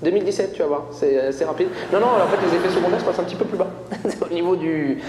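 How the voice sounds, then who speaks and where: A man performing a comic sketch on stage, talking in an excited, rushed way. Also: high voice. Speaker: comedian playing future self. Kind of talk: stand-up sketch. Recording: roomy hall with background noise.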